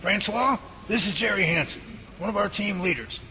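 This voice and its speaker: An actor playing a research lab leader guiding a new team member around, explaining steadily. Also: male voice, sits high, moderate pace, creaky, full character voice. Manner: steady, explanatory tour guide. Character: Bigfoot lab head giving a tour. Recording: noisy home-made audio drama.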